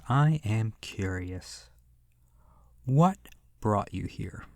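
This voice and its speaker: Man acting a slow, condescending immortal male vampire. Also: medium pitch, no echo, studio quality. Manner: languid, condescending, theatrical, slipping into breathy whispers. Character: sadistic immortal male vampire, imprisoned, bored, mocking. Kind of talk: scripted horror roleplay audio, ASMR-like.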